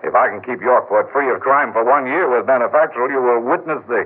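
A man's voice: medium pitch, a little fast, slightly rough, natural voice. An actor playing an earnest, driven scientist in a 1960s radio drama, who pleads his case with intensity. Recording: tinny old radio broadcast.

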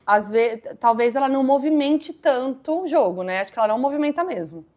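A young woman with a Brazilian accent co-hosting a live stream, chatting casually and reading out viewer donations with excitement. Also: high voice, fairly quick. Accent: Brazilian Portuguese. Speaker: co-host of a live reality-show commentary stream. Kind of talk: casual chat.

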